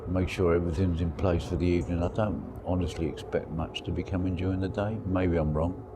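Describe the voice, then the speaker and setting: A man with a croaky voice, rambling through a casual fishing diary on a lake bank. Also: low voice, a little fast. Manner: relaxed, rambling, thinking aloud. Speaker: angler vlogger. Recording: outdoor recording with clear background noise.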